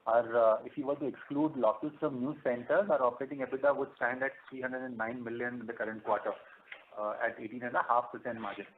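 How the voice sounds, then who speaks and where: An Indian-accented man reports as a finance executive on an earnings call. His medium-pitched voice is formal and halting, heard through a narrow phone line with slight noise. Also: fairly even intonation. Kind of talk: corporate conference call answers. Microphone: telephone conference line.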